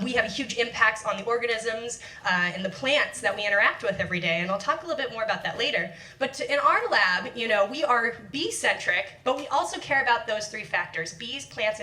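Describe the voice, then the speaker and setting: In an echoey lecture room, a young woman researcher with a highish voice gives an animated lecture to a live audience, moving around as she speaks. Her handheld or stand mic sometimes loses her, leaving her voice far off.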